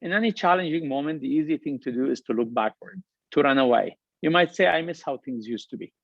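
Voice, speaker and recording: A man's voice: on the high side, animated, fast, gravelly, dry recording, dull audio. A middle-aged man from Lebanon with a heavy Lebanese accent, giving an earnest, upbeat motivational talk about his business and his journey. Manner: earnest, upbeat, emphatic with repeated phrases. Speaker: restaurant company founder giving a talk. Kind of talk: motivational keynote speech.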